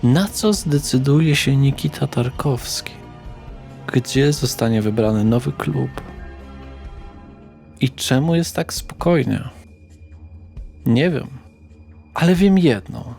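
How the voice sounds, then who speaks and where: A man working as game master, narrating a tabletop horror roleplay in a dramatic, deliberate storyteller manner. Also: mid-range voice, expressive, creaky, warm tone, faint music behind.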